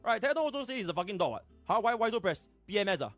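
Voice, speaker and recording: A man with a Singaporean accent ranting indignantly on a livestream, swearing in rapid Singlish. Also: sits high, big pitch swings, a bit bright, faint music behind. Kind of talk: heated livestream rant.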